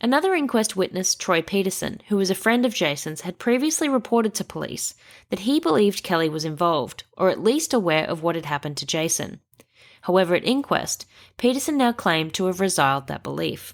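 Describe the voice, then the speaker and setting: Her pitch sits in the medium range for a woman but makes very wide swings. She speaks at a fairly quick pace. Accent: Australian. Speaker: true crime podcaster. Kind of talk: scripted narration.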